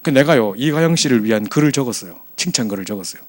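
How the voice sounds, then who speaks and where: A man preaching to young adults as their pastor, telling a story in a chatty, animated way. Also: mid-range voice, rapid-fire.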